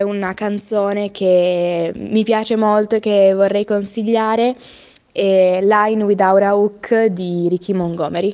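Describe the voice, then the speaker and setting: A woman's dark, mellow voice at medium pitch, monotone and flat, at a very slow pace. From Italy, province of Turin. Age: 20s. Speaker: student and dancer. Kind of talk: recorded personal account. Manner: hesitant, many fillers.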